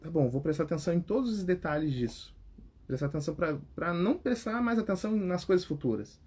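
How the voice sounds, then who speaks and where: A young adult man with a Brazilian Portuguese accent, giving advice on public speaking as a coach in a direct, animated chat. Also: a little high, fast, husky. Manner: animated, direct, repeats words and restarts. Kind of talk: casual advice talk.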